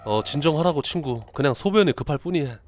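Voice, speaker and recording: A man's voice: fairly high pitch, lively intonation, fast, a little mellow, faint music behind. A man reading the lines of a laid-back, shady male game character who keeps clogging the toilet. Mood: easygoing.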